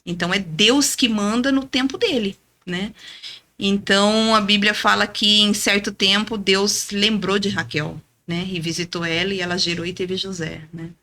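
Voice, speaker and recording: A woman in her thirties telling a personal faith story as a podcast guest, earnest and lively, often adding "né?". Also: medium pitch, moderate pace. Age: 30s. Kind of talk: testimony in casual chat.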